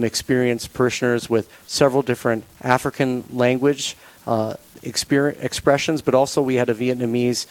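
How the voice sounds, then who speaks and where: A man hosting a Catholic radio interview, talking in a measured, thoughtful way with frequent pauses and fillers. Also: medium pitch, a little mellow, poor audio. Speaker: radio show host.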